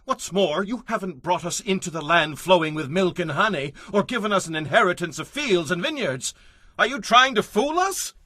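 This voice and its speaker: A man's voice: high voice, sharp tone, no echo, clean studio sound, heavily acted. A man playing a bitter, defiant Israelite rebel in a dramatized scripture, scornful and accusing, with heavy emphasis.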